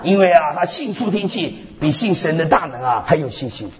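A man preaching a sermon with lively storytelling, repeating "hallelujah, amen" again and again, swinging between loud and soft. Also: a little high, brisk, a crowd in the background. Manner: peppers speech with "hallelujah, amen" refrains. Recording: echoey hall, dull lo-fi sound.

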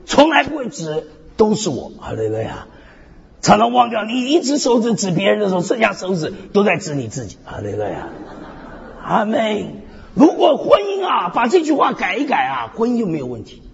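Preaching with animation at normal speed, a high-pitched male pastor with vocal fry, a North America resident, mixes self-deprecating stories and humor with frequent call-and-response hallelujahs. The hall recording is dull, with a long reverb tail.

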